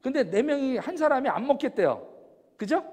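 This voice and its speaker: Man, very high voice, lecturing, animated, rhetorical questions, long hall reverb. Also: brisk. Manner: animated, poses rhetorical questions, acts out examples. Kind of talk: lecture on personality types.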